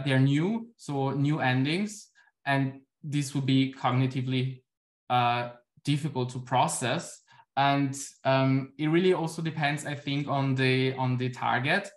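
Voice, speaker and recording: A man's voice: mid-range voice, unhurried. A young man presenting research on a video call, explaining steadily with frequent ums. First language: Italian. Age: young adult. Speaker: conference presenter. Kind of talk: academic talk and Q&A answer. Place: indoor room at home. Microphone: laptop webcam on a video call.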